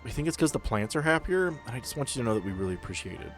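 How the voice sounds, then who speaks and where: A man's voice: mid-range voice, very animated, rapid-fire, soft background music. Man playing an earnest young woman botanist. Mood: grateful. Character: friendly young woman botanist, grateful and eager.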